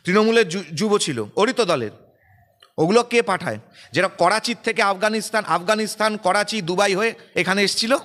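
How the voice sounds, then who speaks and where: A man's voice: high voice, fairly quick, fairly bright tone. A man with a Bengali accent giving an emphatic, combative press statement as a political spokesperson.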